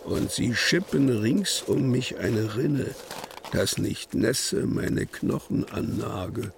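An actor playing an imprisoned poet in a radio play, reciting solemnly with weighty pauses and a creaky voice. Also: male voice, medium pitch, lively intonation, a little hiss or hum. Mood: contemplative. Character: imprisoned male poet, brooding, defiant, incantatory. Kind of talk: German literary radio play, dramatic poetic recitation.

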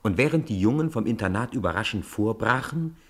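Guy with a lowish voice reading out the story bits of a kids radio play. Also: animated, a little fast, fairly bright tone. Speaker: narrator. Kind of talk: scripted storytelling narration in a children's radio play.

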